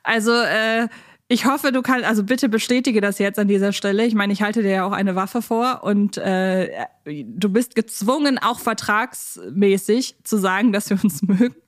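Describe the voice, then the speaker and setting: A woman's voice: mid-range voice, moderate pace, no echo, clean studio sound. A talkative woman co-hosting a podcast in a casual, teasing chat style. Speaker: podcast co-host.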